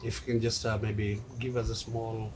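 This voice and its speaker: A man's voice: on the low side, flat delivery, normal speed, noisy background. A man hosting a casual interview, asking long, rambling questions full of fillers.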